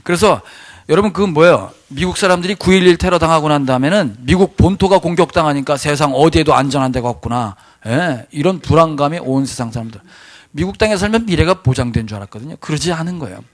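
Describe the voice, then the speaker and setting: Male pastor with a slightly raised pitch, lively sermon delivery that keeps quizzing the congregation. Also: quick pace. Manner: animated, rhetorical questions to the congregation. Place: church sanctuary.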